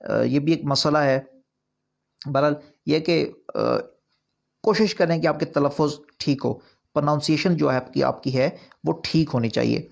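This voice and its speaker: A man's voice: a little high, vocal fry. A man teaching an online recitation course, explaining points earnestly and repeating them with rising emphasis. Urdu is not his first language.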